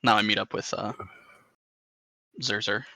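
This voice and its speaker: A man's voice: fairly low pitch, fairly even intonation, measured pace, creaky, sharp tone, no room sound, rough recording. A man playing in a tabletop game, casual and playful and laughing often. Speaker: player.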